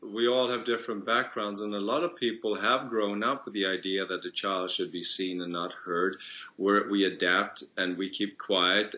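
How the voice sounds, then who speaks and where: A man's voice: sits low, bright, forceful tone. A man working as a voice and singing coach, answering interview questions in an earnest, flowing way.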